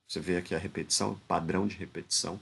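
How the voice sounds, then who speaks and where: Deep, creaky and husky, this man's voice stays level in tone as he speaks in rapid-fire bursts with a Brazilian Portuguese accent. He offers casual spoken analysis of a speech, hesitating, often restarting his phrases and tacking on tag questions.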